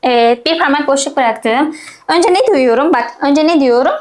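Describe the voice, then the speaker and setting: Birinci sınıf öğrencilerine hecelere bölerek okuma öğreten bir kadın öğretmen; sesleri tek tek tekrar ediyor ve çocuğu nazikçe yüreklendiriyor. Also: female voice, high-pitched, moderate pace. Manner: patient, sounds out syllables and repeats them many times; gentle, coaxing, talks straight to the child. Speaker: primary school teacher. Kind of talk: slow phonics reading lesson for first graders.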